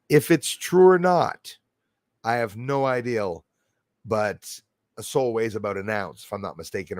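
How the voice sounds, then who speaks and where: A man's voice: fairly low pitch, no echo, clean studio sound. A man hosting a livestream, talking casually to his chat in a meandering way, repeating himself and chuckling between thoughts. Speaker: livestream host reading chat. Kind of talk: rambling casual livestream talk.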